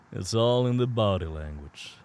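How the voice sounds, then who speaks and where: A man as a low-voiced Swedish werewolf. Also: lively intonation, a little slow, a little mellow. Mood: warm, reassuring. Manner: easygoing, protective. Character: protective, good-natured Swedish alpha werewolf's mate. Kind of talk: scripted audio drama acting.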